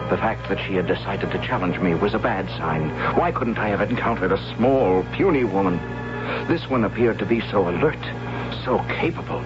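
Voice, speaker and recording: An actor playing an anxious, reluctant young tribal warrior who tells his own story in a dramatic 1970s radio drama style, measured with hesitant asides. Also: fairly low pitch. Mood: worried. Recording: dull 1970s radio recording, loud music.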